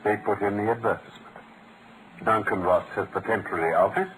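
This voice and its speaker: An actor playing a brilliant, world-weary British gentleman detective in an articulate, theatrical old-time radio drama style. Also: lowish voice, a little fast, noisy background, close to an everyday voice. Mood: precise, deductive. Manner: articulate, theatrical, explanatory delivery.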